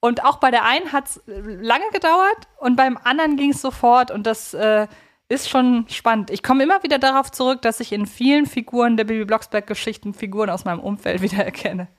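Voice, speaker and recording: A woman's voice: on the high side, brisk. A woman co-hosting a podcast, talking through an analysis in a conversational, reflective way, feeling for her words. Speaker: podcast co-host.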